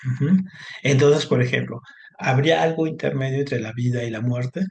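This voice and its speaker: A man's voice: mid-range voice, fairly even intonation, normal speed, creaky, darkish tone. Guy teaching a class, keeps asking the students if they follow. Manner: explanatory, frequent tag questions and fillers. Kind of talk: online class lesson.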